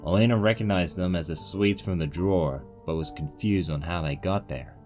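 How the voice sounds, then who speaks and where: A man's voice: low-pitched, moderate pace, a little mellow, soft background music. A man reading a scripted story as its narrator. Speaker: narrator of a fan fiction reading.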